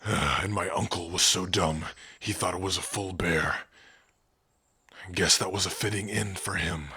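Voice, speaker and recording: A man voicing an honorable young male orc warrior in a fantasy audio roleplay, earnest and measured. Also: low voice, fairly even intonation, bright, forceful tone, husky, full character voice. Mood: soft, grateful.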